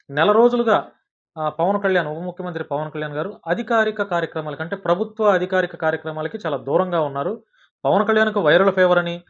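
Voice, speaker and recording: A man with a Telugu accent presenting political news commentary, addressing viewers formally and with emphasis. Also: sits high. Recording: dull, lo-fi sound.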